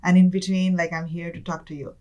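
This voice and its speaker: A woman's voice: fairly low pitch, little pitch movement, fairly quick, darkish tone. A woman in her thirties from Bangladesh with a Bangladeshi accent, a business school student chatting as an interview guest, often saying "like" and "kind of". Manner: chatty, frequent "like" and "kind of", light laughs. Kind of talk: conversational interview.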